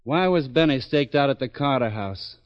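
An actor playing a tough, wisecracking homicide lieutenant who also narrates a 1950s radio drama, in dry, clipped lines. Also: male voice, mid-range voice, animated, normal speed, lightly acted. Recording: dull old radio recording with music.

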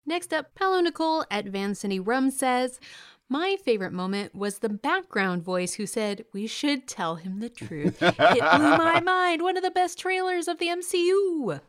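A woman's voice: sits high, lively intonation, a little slow, no room sound. A woman co-hosting a podcast in casual chat, upbeat and enthusiastic as she reads out listener messages on a studio mic. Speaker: podcast co-host.

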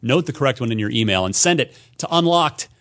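A man's voice: mid-range voice, lively intonation, quick pace, fairly bright tone. A man hosting a casual gaming panel show, talking in a teasing, conversational way. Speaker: podcast host and quizmaster.

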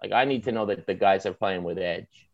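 A man's voice: sits low, fairly quick, vocal fry, no room sound. Emphatic Maritime Canadian man, slightly dull sound. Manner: emphatic, colloquial, punchy short phrases. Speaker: author and podcast guest. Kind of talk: animated opinionated sports chat.

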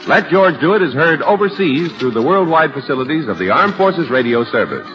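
A man's voice: on the high side, very animated, fairly quick, highs cut off. A man speaking as an old-time radio announcer, reading scripted sponsor copy and credits in a formal, emphatic way. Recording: band-limited old radio broadcast with music.

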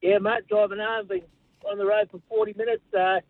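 A man's voice: sits high, brisk, vocal fry, dry recording. Blokey Australian working man on the phone. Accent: Australian, Melbourne. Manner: blokey working-class, laconic, matey. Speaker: radio phone-in caller. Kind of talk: casual chat. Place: on a call while driving home. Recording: thin phone line.

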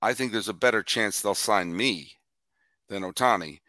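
A man hosting a baseball podcast in casual chat, animated and repeating himself as he thinks. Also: fairly low pitch, normal speed, dry recording, studio quality. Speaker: podcast host.

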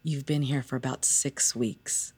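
An actor playing a calm psychiatric doctor, questioning a patient gently and clinically. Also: medium pitch, a little slow, slightly rough. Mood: gentle.

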